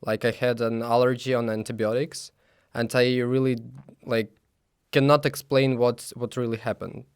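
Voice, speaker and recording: A young man from Ukraine with a Ukrainian accent, answering interview questions haltingly with many fillers and restarts. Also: mid-range voice, level tone, clean tone, no echo, studio quality. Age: young adult. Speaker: student guest.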